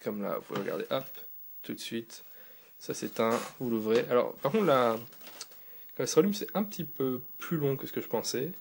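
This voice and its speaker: Casting: man, casual gadget reviewer, gravelly edge, rambling delivery. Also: medium pitch, a little fast, a little hiss or hum. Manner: loose and rambling, with fillers and restarts. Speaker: tech reviewer.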